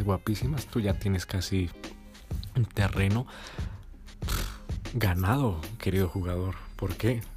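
Animated low-voiced man with music. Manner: animated, acts out voices, swears, sound effects like "pum". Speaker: dating coach podcaster. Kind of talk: casual monologue to listeners.

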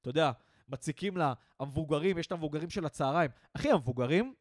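Animated young man ranting in casual chat. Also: a little high, no room sound, clean studio sound. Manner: animated ranting, acts out quotes. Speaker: podcast co-host.

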